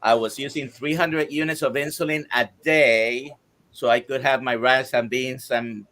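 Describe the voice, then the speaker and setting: A man in his sixties talks as a guest doctor on a live stream. His voice sits at an ordinary middle pitch. He moves haltingly, with fillers, and runs through a list of items. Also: fairly even intonation, a bit bright. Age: 60s. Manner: halting, many fillers, lists items briskly. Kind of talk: casual testimony on a live stream.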